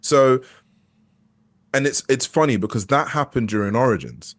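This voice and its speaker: Expressive and mid-range, his voice keeps a moderate pace. The young adult actor chats openly as an interview guest, musing aloud with repeated restarts and pauses of hesitation.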